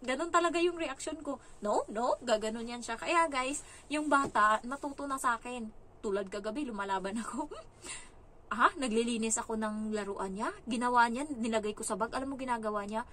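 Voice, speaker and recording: A young Filipina woman chats through a casual vlog about the household where she works, and her fairly high voice keeps jumping up as she acts out what everyone said. Her stories move along loosely and with a lot of animation, and there's a faint hum of background noise behind her. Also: a little fast. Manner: animated, acts out quoted lines in a raised voice. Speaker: caregiver working in a household.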